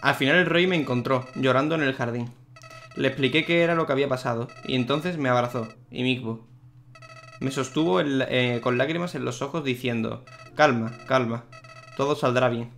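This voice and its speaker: A man's voice: medium pitch, fairly bright tone, close to an everyday voice. A man reading out the lines of a sinister talking flower, once a boy, in a plain storytelling voice over faint game music.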